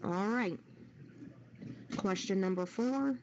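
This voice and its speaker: A woman's voice: medium pitch, slow, darkish tone. A woman hosting a live quiz, reading out trivia questions and confirming the answers for participants. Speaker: quiz host. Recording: dull, noisy lo-fi voice-chat audio.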